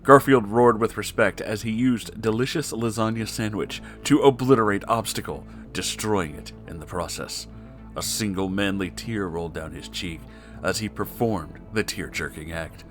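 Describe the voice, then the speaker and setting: Male story host, low forceful voice, theatrical comic narration with casual asides, music underneath. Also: moderate pace. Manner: theatrical, emphatic.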